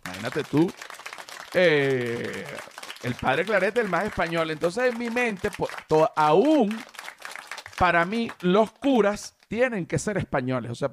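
A Venezuelan man hosting a podcast, chatting and joking in an animated way, often stretching words for emphasis. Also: fairly high pitch, a little hiss or hum. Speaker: podcast host. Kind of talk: casual comedic chat.

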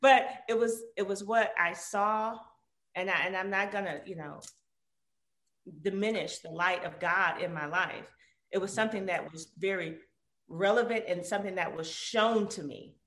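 A woman from Detroit, a guest telling her life story in a casual interview, with animated quoted voices. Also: medium pitch, normal speed. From Detroit, USA. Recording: roomy echo.

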